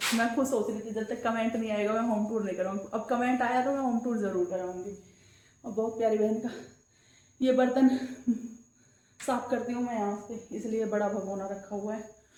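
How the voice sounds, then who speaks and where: A woman speaks at a moderate pace in a fairly high pitch, with a dark, mellow tone. Her intonation stays monotone and flat, with long, frequent pauses and audible room echo. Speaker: vlogger. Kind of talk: casual vlog.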